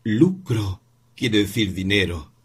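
In this storybook, a weary mother answers her child slowly, her words heavy with bitterness, as a man puts her on. The voice sits a little above a man's usual pitch and carries a breathy, husky edge. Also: exaggerated voice. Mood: bitter. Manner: slow, bitter, measured replies. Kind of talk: audiobook character reading.

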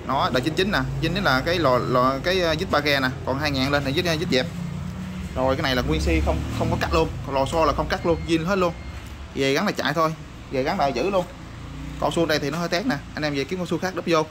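A man showing off used motorbike parts in a rapid, repetitive sales patter full of fillers. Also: on the high side. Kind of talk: casual product showcase sales patter. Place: parts shop or workshop. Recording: noisy backdrop with passing vehicles.

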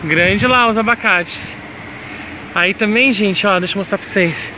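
A man's voice: high voice, a little slow. A man chatting casually to his viewers while filming a walk on a city street with a handheld phone. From Brazil. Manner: chatty, keeps addressing viewers as "gente". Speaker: vlogger. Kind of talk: casual walking vlog. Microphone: handheld phone camera while walking. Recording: noisy outdoor phone recording. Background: street traffic and outdoor ambience.

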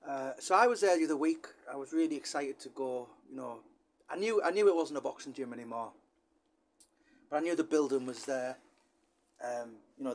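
A man's voice: mid-range voice, darkish tone. A man from Britain, a channel host talking in a chatty, rambling, wistful way with many fillers. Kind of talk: casual talking-head monologue.

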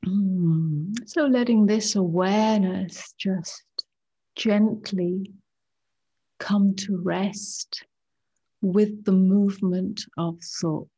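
Female meditation guide: very breathy, mellow, hushed and calming, on a slightly dull recording. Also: medium pitch. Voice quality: soft, breathy, often near a whisper. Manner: unhurried short phrases, hushed, calming. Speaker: meditation teacher. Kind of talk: guided meditation, slow and gentle with long pauses.

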